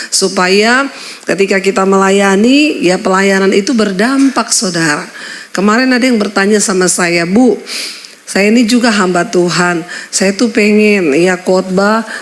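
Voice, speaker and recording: A middle-aged woman pastor preaches a sermon in church, telling stories punctuated by sudden high exclamations.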